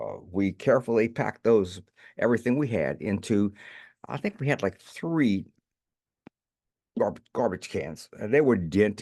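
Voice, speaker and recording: Against a quiet background, a man with an American accent talks at a medium pitch and a moderate pace, his dark, mellow tone carrying lively intonation between long, frequent pauses. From US South, New Orleans. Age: 80s+. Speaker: memoir storyteller. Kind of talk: personal reminiscence monologue. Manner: halting, repeats words.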